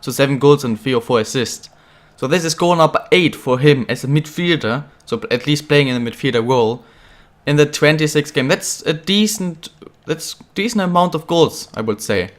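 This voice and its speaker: A young man who is a bit ill, chatting casually while commentating his own football video game career, getting excited at goals. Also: a little high, moderate pace. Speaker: gaming channel host.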